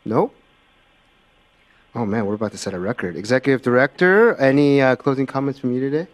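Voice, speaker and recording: A man's voice: mid-range voice, brisk. A man whose first language is Korean, chairing a formal public meeting and dropping dry, self-deprecating jokes.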